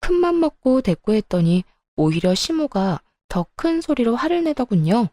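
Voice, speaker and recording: A woman's voice: on the high side, sing-song, moderate pace, dark tone, no room sound. A woman narrating a first-person story as a young wife, with a plaintive, exasperated way of telling it.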